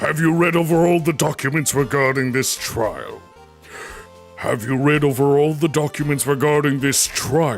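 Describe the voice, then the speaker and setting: Clear music plays behind the speech. The put-on character voice keeps a moderate pace. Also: man, fairly high pitch for a man. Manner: menacing, evil.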